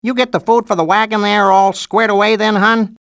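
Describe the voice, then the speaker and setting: A woman's voice: mid-range voice, level tone, fairly quick, no echo, natural voice. A woman voicing a busy, folksy animal mom in a video game, homespun and motherly with an Upper Midwestern accent. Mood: chipper, helpful. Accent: Upper Midwestern American.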